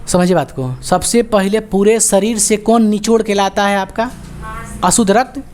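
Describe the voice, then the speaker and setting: A woman teacher with a Bihari Hindi accent, lecturing a class and firing quick call-and-response questions, joking and scolding as she goes. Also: mid-range voice, darkish tone, slight background noise. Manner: quizzing students with rapid call-and-response questions.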